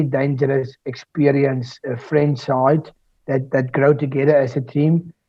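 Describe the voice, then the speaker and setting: The speaker has an Afrikaans accent. The intonation stays monotone and flat. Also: man. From South Africa, Karoo. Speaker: rugby kicking coach, former player. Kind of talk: live stream interview. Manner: halting, many fillers and repetitions.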